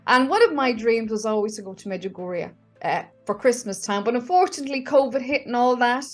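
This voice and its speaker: A woman's voice: fairly high pitch, lively intonation, a little fast, soft background music. A woman, hosting a casual online interview with enthusiasm, full of fillers and restarts. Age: 50s. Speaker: host. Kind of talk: casual video-call interview.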